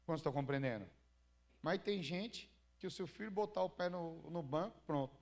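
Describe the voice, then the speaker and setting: A man's voice: fairly high pitch, lively intonation, moderate pace, darkish tone. A Brazilian man preaching as pastor in a church, talking casually and retelling stories with questions to the congregation. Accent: Brazilian Portuguese. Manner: conversational preaching with acted-out anecdotes and rhetorical questions. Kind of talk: sermon.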